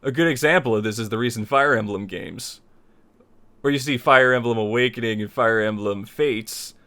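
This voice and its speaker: A man with a smooth, clean voice at an ordinary male pitch hosts a tutorial. He talks informally to his viewers, circling back to restate points as he explains. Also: normal speed, bright, forceful tone. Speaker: host of a tutorial series on making visual novels. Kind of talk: casual scripted-outline tutorial talk to viewers.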